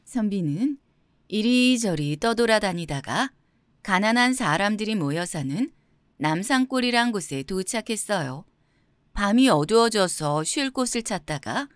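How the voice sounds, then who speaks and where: A woman narrating folk tales for children in an expressive, storytelling manner. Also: mid-range voice, measured pace, smooth, no room sound, studio quality. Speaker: audiobook narrator.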